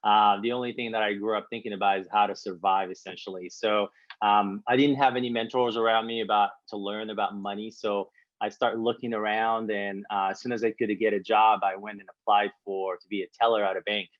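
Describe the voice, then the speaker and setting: A man's voice: on the low side, level tone, fairly quick, no room sound. A man from Morocco speaking as a podcast guest, telling his own story conversationally in a dry, slightly dull recording.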